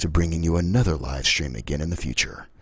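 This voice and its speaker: A man's voice comes through on a very clean recording, the background silent. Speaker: flight sim live streamer. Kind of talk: live stream review. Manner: less enthusiastic than he feels.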